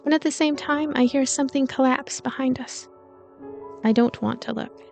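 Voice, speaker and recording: A woman reading a visual novel aloud in an expressive storytelling way, with casual commentary asides. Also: sits high, normal speed, gravelly. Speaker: let's play narrator and commentator. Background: game music.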